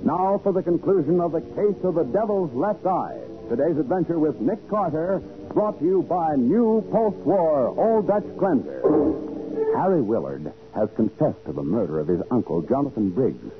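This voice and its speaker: A man's voice: fairly high pitch, animated, moderate pace. A man announcing and narrating dramatically in the scripted style of 1940s radio. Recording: tinny phone-like 1940s radio recording. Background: music.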